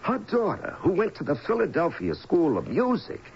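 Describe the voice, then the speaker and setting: A man's voice: sits high, wildly swooping pitch, normal speed, creaky, slightly rough, full character voice. A man acting in a radio drama as an agitated, insistent, bitter out-of-work coal miner and husband who repeats himself. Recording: muffled, faintly hissy old radio recording.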